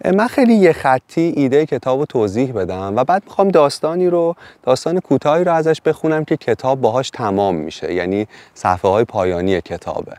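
Calm man reading a story. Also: medium pitch, hardly any pauses, no room sound. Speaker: podcast host, book presenter. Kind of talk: book talk and story reading.

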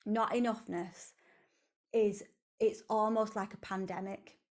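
Woman, podcast host, slow, earnest, motivational talk. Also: mid-range voice, steady tone, a little mellow. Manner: slow, earnest, repetitive phrasing. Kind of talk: reflective solo motivational talk.

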